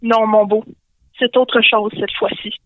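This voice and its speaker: A sultry, drawn-out male spirit, voiced by a woman with a Québécois accent. He lingers over every word in a teasing way. The voice comes through a narrow, phone-like line. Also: fairly high pitch, flat delivery, dry recording, natural voice. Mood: suggestive. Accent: Québécois French. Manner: slow, suggestive. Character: seductive male spirit, slow and suggestive.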